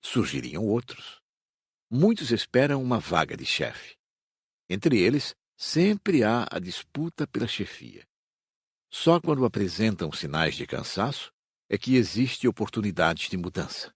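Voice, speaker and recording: A man with a Brazilian accent playing a calm, wise spirit teacher in an audiobook, explaining things in a measured, didactic way. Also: lowish voice, slightly rough, no room sound, clean studio sound, heavily acted. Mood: patient, didactic. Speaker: audiobook voice actor. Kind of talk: audiobook dramatised reading.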